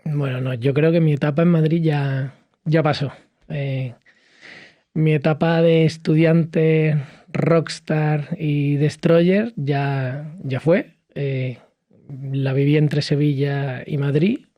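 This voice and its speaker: A man from Cádiz in his thirties talks with animation as a podcast guest, with plenty of "eh" and restarts. His voice sits a bit high. The recording is dry and a little muffled, with faint music underneath. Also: slow, dry recording. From southern Spain, Cádiz. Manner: animated storytelling with many fillers and restarts. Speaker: podcast guest, hospitality entrepreneur. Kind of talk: conversational interview.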